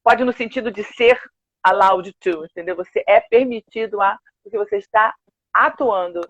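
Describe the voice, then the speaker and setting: An older woman with a Brazilian Portuguese accent, a singer telling stories with lively quoted asides in a casual interview. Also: medium pitch, normal speed, no echo. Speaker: guest, opera and musical theatre singer. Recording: dull, dry video-call audio.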